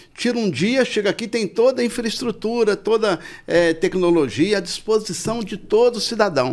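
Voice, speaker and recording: This man's voice is high, with ordinary pitch variation, and he talks at a moderate pace. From Minas Gerais, Brazil (Triângulo Mineiro). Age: 60s. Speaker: local government official and journalist. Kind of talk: podcast interview. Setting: podcast studio.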